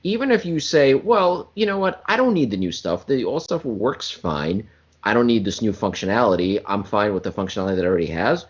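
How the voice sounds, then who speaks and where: A man's voice: lowish voice, animated, a little fast, slightly rough, muffled recording. A man co-hosting a podcast, joking about himself and rambling through a casual rant. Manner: joking, rambling, self-mocking. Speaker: podcast co-host. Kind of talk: casual banter.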